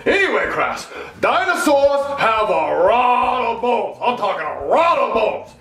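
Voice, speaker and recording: Man voicing a sarcastic, animated puppet teacher. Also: extremely high pitch, unhurried, reverberant, faint music behind, heavily acted. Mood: irritated, lecturing. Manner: sarcastic, emphatic, scolding. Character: irritable, sarcastic male puppet schoolteacher. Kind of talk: comic puppet show acting.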